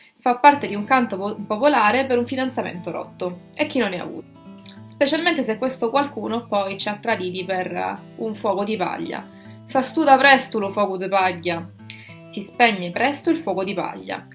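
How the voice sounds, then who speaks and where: With music in the background, a woman speaks at a medium pitch and moderate pace, her intonation lively and her loudness swinging widely. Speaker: presenter reading Sicilian proverbs. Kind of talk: proverb reading with explanations.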